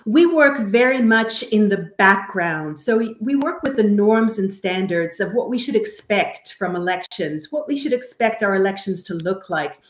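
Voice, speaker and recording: A woman from Canada speaking as an expert guest, giving measured, careful explanations in an interview. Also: medium pitch, animated. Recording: roomy, echoey sound.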